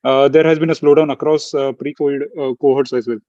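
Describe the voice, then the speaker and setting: A man's voice: mid-range voice, level tone, fast, warm tone, dry recording. A man speaking as a financial analyst, asking questions politely and hesitantly on an earnings call. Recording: dull, muffled call audio.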